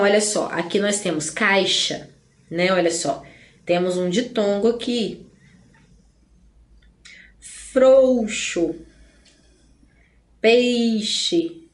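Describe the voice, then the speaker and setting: Slow, deliberate woman teacher, echoey room. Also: mid-range voice. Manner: slow, deliberate explaining, frequent "né?" tags, spells out words. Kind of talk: online exam-prep lesson.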